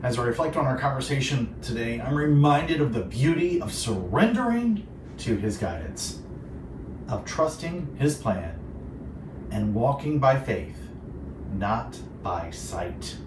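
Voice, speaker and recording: A man's voice: mid-range voice, very animated, unhurried. A man hosting a devotional Christian radio show, speaking in an earnest, reflective and polished way. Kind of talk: devotional radio talk with co-host. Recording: roomy echo, distant, clearly noisy.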